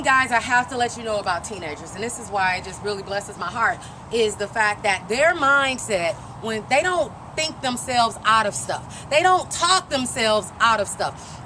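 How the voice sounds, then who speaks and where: A woman's voice: fairly high pitch, background noise. A woman coach interviewing and giving an emphatic, encouraging pep talk, repeating phrases for emphasis.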